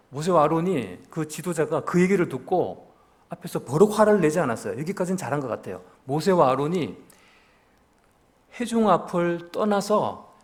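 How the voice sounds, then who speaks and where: A man's voice: a little high, a little mellow. A man pastor with a Daegu regional accent, preaching an expository sermon in a church and acting out the complaining crowd in a raised voice. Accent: Korean, Daegu region. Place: church sanctuary.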